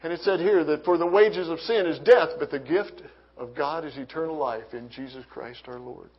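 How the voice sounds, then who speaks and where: A man giving an earnest personal faith testimony, halting with restarts and reading scripture aloud. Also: fairly high pitch. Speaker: testimony speaker. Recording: dull lo-fi recording.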